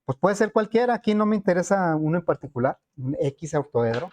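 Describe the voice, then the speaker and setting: A man walks students through code in a screen-recorded lesson. His voice sits a little high for a man, and he thinks aloud, pausing on fillers and checking in with his class as he goes. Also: lively intonation, darkish tone. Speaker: programming teacher.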